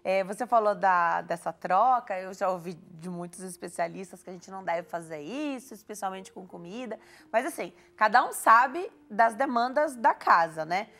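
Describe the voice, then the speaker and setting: A woman's voice: medium pitch, animated, moderate pace, few pauses, a bit bright. A woman hosting a TV talk show in a studio, giving parenting advice in easy conversation and often tagging her sentences with a question. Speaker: TV health show host.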